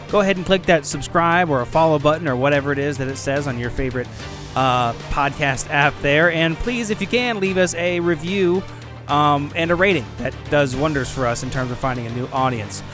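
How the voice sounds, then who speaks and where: Higher-voiced man over music. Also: fairly quick. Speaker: podcast host giving intro and recap. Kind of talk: casual podcast intro narration. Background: music under the voice.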